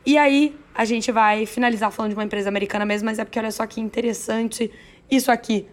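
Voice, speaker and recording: A hoarse, raspy-voiced woman with a Brazilian accent, hosting a news podcast in a chatty, playful way with self-deprecating asides. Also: a little high, steady tone, fast. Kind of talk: chatty, conversational news narration.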